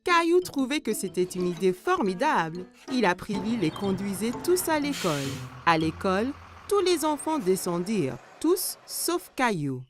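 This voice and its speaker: A woman giving scripted storybook narration for a children's cartoon, expressive and aimed at young listeners. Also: mid-range voice, normal speed, music in the background.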